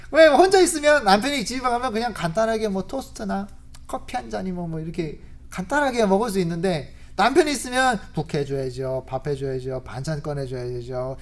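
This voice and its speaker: Speaking at normal speed in a mid-range voice, a woman preacher gives a conversational church sermon full of animated storytelling. Rhetorical questions and frequent laughter run through it.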